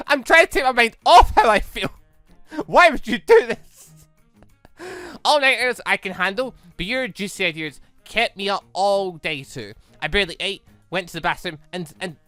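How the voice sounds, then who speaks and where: Performer putting on a frazzled, excitable young girl inventor. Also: mid-range voice, normal speed, faint music behind. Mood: exasperated. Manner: exasperated, boastful, gushing.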